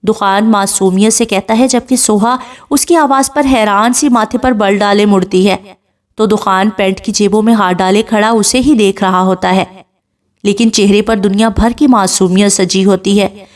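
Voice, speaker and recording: A woman narrating a romance novel aloud in an expressive storytelling manner. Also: mid-range voice. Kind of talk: dramatic novel reading.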